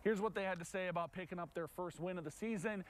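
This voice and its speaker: An American man hosting a casual sports chat, repeating himself and pausing as he finds his phrasing. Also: high-pitched, a little hiss or hum. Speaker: sports director, show host.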